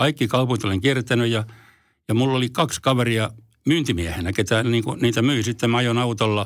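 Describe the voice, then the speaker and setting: On a very clean recording with a silent background, a man in an unremarkable speaking voice talks at a fairly quick pace, medium in pitch with ordinary pitch variation. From Forssa, Tavastia, Finland. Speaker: former art forger and card sharp. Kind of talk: interview.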